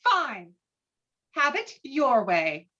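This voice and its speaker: Dull, muffled audio carries a woman acting a stern suburban mother in a screenplay read. She is exasperated and scolding, with clipped delivery and a raised pitch. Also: wildly swooping pitch, extremely slow, bright, forceful tone, full character voice. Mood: cold, firm. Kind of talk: virtual table read of a screenplay.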